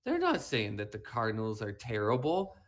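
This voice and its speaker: A man's voice: on the low side, huge pitch swings, normal speed. A man co-hosting a sports talk show, lecturing emphatically and repeating his points, with a whiny, slightly mushy voice. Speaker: podcast co-host. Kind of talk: animated sports talk rant.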